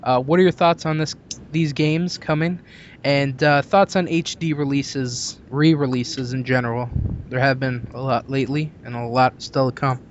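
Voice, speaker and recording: A man's voice: mid-range voice, fairly even intonation, normal speed. A young man hosting a casual discussion of gaming news. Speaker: podcast host. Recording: muffled audio with faint background noise.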